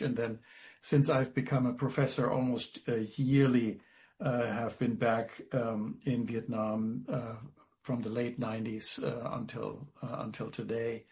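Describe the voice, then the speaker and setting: Male guest professor, 60s, from Germany, measured and halting. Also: mid-range voice, a little mellow. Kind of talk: radio interview.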